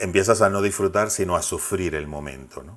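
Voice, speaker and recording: Speaking at a moderate pace, a man has a plain, everyday voice with a fairly low pitch and ordinary pitch variation. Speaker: communication consultant. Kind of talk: casual talk to camera.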